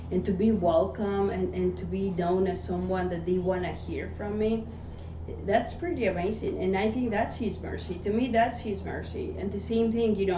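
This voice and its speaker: A woman's voice: fairly low pitch, dark tone. A woman from Mexico City, earnestly telling her story as an interview guest and tagging sentences with "right?". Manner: earnest, often adds "right?" tags. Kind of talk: personal testimony in conversation. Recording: echoey room, dull sound, faint hiss.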